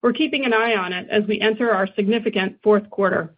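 A woman finance executive reading a scripted earnings presentation in a formal, measured way. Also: mid-range voice. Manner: formal, measured business delivery. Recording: dull, band-limited conference call audio.

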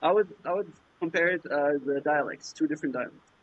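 A man from Jordan whose first language is Arabic, answering interview questions in a halting way, with many fillers and restarts. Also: on the high side. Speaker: startup founder, guest. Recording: muffled lo-fi remote audio.

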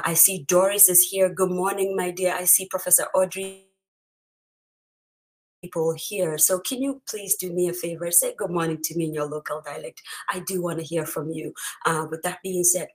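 This is a Ghanaian woman hosting a storytelling livestream. She greets her audience effusively in language after language and laughs easily. Her voice sits a little low for a woman. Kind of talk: lively livestream greetings to viewers.

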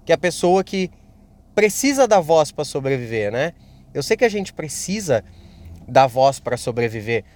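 Rambling high-voiced man, joking monologue. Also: moderate pace. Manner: rambling, self-mocking, animated. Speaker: podcast host. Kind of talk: casual comedic monologue.

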